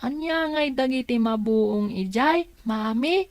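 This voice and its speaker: Actress as young boy, inquisitive and polite, unhurried delivery, dry sound, Ilocano drama. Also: mid-range voice, dry recording. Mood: curious. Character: curious, chatty, polite young boy named Barok. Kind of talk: Filipino radio drama acting in Ilocano.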